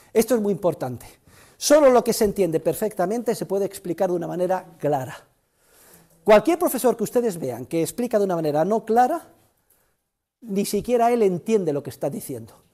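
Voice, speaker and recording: Very clean and silent in the background, this recording has a man with a high, dark, mellow voice. He talks at a fairly quick pace with very wide pitch swings and long, frequent pauses. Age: 60s. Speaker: economics professor. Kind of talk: lecture. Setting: classroom with students. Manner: animated.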